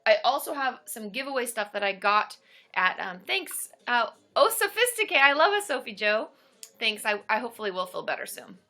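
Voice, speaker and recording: A therapist hosting a casual livestream chats and greets viewers by name while stuffed up and tired from a cold. Her voice is a little high and sharp-toned, sing-song, at a normal speed.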